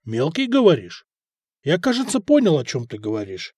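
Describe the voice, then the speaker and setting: A man reading an audiobook, voicing a blunt, hungry Arab merchant who talks in a gruff, plain way. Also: on the high side, huge pitch swings, normal speed, a little mellow, dry recording, heavily acted. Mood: grumbling.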